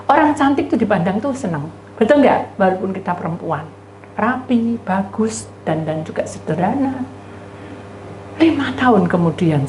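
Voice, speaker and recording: A middle-aged woman pastor, telling a chatty, animated story in a sermon and acting out both sides of the dialogue. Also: medium pitch, echoey room, slight background noise. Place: church.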